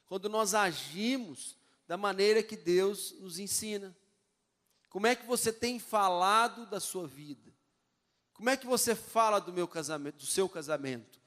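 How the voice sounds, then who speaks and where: A pastor delivers an emphatic sermon in a high, ringing voice. He keeps throwing questions back at the congregation. The church sanctuary adds a long, hanging reverb to every line. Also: fairly bright tone.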